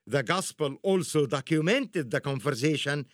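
A man's voice: on the high side, dry recording, studio quality. A man hosting a Christian program, preaching and telling stories emphatically. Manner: emphatic, animated storytelling with quick laughs. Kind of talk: preaching to camera.

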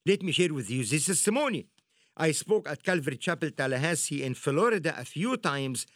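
Animated, high-voiced male preacher. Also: no room sound, studio quality. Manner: emphatic, animated storytelling with quick laughs. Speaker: Christian TV program host. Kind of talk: preaching to camera.

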